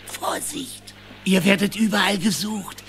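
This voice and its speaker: A woman's voice: mid-range voice, unhurried, creaky, a bit bright, faint music behind. A woman playing a grumbly, easygoing armadillo in a children's audio drama, folksy and wry.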